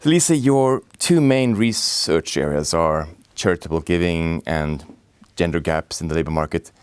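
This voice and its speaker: Very deep-voiced male interview host. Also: a little slow, clean tone, no room sound. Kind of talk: scripted interview questions.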